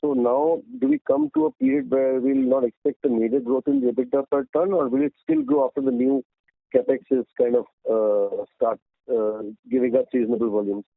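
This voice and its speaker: A male analyst puts questions politely and formally. His pitch moves in lively swings with a gravelly creak, heard over a thin, dry phone line. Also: fairly quick, no echo. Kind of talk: formal question on an earnings call.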